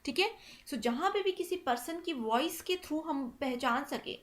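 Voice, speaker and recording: A young woman teaches an online exam-prep lecture in Hindi, mixing in English terms and checking in with "theek hai" ("ठीक है") after nearly every point. Her voice sits high and is expressive, at a measured pace.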